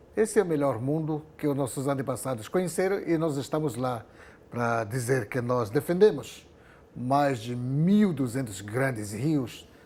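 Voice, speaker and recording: A dark, mellow tone in a northern Brazilian accent, with lively intonation at a fairly slow pace. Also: man, medium pitch for a man. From Brazil, Rio Negro, Amazon. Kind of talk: interview. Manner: halting.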